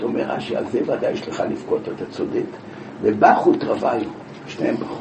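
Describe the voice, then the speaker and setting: A man teaching a Talmud class, telling the story with lively rhetorical questions. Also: mid-range voice, creaky. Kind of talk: Talmud class, explaining a passage. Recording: echoey room from far off, with background noise.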